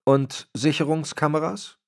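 A man's voice: on the high side, unhurried, gravelly, voice pushed up. A man voicing a formal, fussy AI assistant program in an audiobook. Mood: puzzled. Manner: precise, formal.

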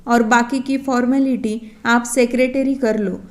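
A woman voicing a calm, gently commanding elderly male dance teacher in a storybook reading. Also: on the high side, a little slow, natural voice.

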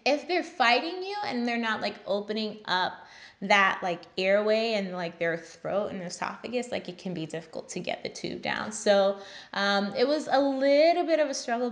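Chatty Trinidadian woman vlogger. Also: medium pitch. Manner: animated, gestures a lot, many ums and likes. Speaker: physician assistant vlogger. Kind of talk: casual storytelling to camera. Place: small indoor room, plain grey backdrop.

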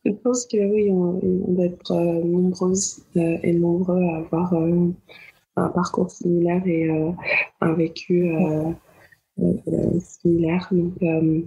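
A thirty-year-old woman hosting a podcast, interviewing in a reflective, conversational way with a husky voice. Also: fairly low pitch, level tone, slow pace, warm tone. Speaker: podcast host. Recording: slightly dull lo-fi sound.

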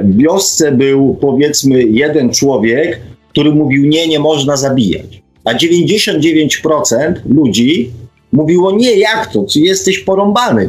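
A man in a casual debate, speaking emphatically and often checking for agreement with short tag questions. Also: mid-range voice. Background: faint music.

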